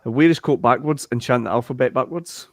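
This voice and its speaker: A male comedian, reading out audience suggestions in a hesitant, deadpan way on a video call. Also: mid-range voice, fairly quick, no echo, clean studio sound.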